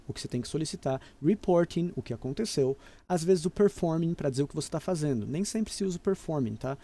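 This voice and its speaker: Brazilian pilot teaching, mellow voice. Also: male voice, on the high side. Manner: explanatory, switches into crisp radio phraseology examples. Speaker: airline captain and aviation English instructor. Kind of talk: casual video lesson.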